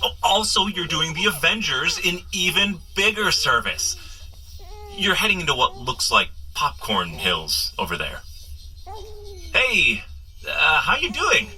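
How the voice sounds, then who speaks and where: Bumbling superhero coach, audio comedy: high, very animated voice, nervous apologetic rambling. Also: male voice, measured pace, full character voice, poor audio. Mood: nervous, encouraging. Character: frantic, bumbling, good-hearted male superhero Ant-Man coaching a runner. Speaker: actor playing a superhero guide. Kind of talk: comedy audio drama acting, addressing the listener.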